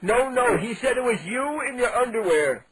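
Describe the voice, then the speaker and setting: A man's voice: very high-pitched, animated, moderate pace, a loud crowd, low-quality recording. A man playing a cranky, indignant 87-year-old neighbor on a prank call, making blustering threats with mock-polite outrage. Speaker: prank caller.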